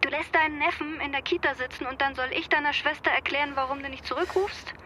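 An actress playing an exasperated friend who leaves a firm voicemail in a radio drama. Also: female voice, high voice, steady tone, fast, sharp tone, a little hiss or hum.

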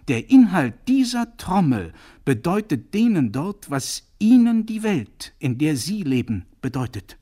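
A man reading a radio story, voicing a domineering male professor who lectures loudly and shouts down every interruption. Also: fairly high pitch, very animated, a little slow, hardly any pauses, pitched above the performer's own voice. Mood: ranting. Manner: lecturing, loud, insistent. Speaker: reader.

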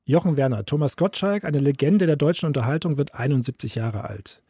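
A man's voice: on the high side, a little fast, warm tone, breathy edge, no echo, clean studio sound. A man hosting a radio programme, presenting and leading the discussion. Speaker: radio host.

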